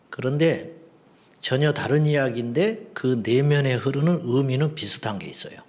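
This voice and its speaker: Male pastor, middle-aged, sermon, measured scripture reading, hushed asides. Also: medium pitch.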